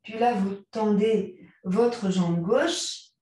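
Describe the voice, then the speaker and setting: Slow calm woman yoga teacher, echoey room. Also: mid-range voice. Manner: calm, unhurried cues timed to the breath. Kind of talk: guided yoga class instruction. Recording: very echoey room, mic far off.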